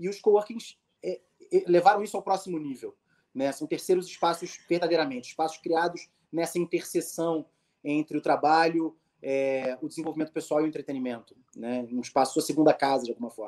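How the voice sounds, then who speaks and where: An ordinary speaking voice from a man, fairly high in pitch and fairly quick in pace. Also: ordinary pitch variation. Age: 30s. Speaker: entrepreneur, coworking founder. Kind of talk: interview.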